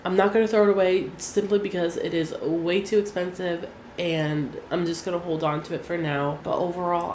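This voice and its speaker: A young woman with a fairly low, nasal voice from a recent cold chats easily about her things, her talk full of "like". She is recorded in an echoey room with a faint hum behind her. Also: darkish tone. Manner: chatty, frequent "like" fillers. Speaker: beauty vlogger. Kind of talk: casual chat.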